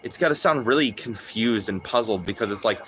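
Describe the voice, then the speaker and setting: A young man live-streaming a game, chatting casually, swearing and getting excited. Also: rough recording. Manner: profane, excitable, quick swings in pitch. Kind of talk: casual live-stream chat while gaming.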